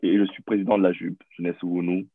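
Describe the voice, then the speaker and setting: A man's voice: sits low, flat delivery, fast, dry recording, phone-quality sound. A man in his thirties from Burundi, a podcast guest who answers with hesitant fillers and restarts. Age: 30s. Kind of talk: casual interview talk.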